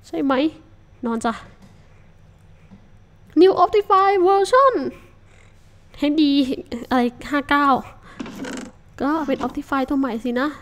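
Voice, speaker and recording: A woman hosting a survival game let's-play, talking to herself in a chatty, casual way with sudden startled shouts. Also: high voice, steady tone, measured pace. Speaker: Minecraft let's-play host.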